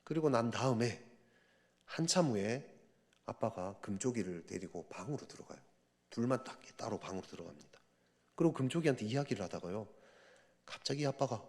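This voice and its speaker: A man's voice: on the low side, expressive, normal speed, pauses often, a little mellow. A man preaching a sermon at a midweek prayer service, telling a story in a conversational way and often asking the congregation to agree. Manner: conversational storytelling, frequent rhetorical asides. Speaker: pastor. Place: church sanctuary. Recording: reverberant church hall.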